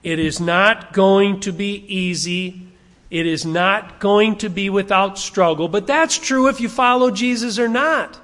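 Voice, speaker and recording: Sixties guy preaching, chatty, asks the crowd stuff, kinda high voice, big echoey church. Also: measured pace, a bit bright. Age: 60s. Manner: conversational, asks the congregation questions. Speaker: pastor. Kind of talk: sermon. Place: church sanctuary.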